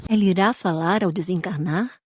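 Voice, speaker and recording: A woman with a Brazilian accent giving a measured, scripted audiobook reading of a character's account. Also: fairly low pitch, slight background noise.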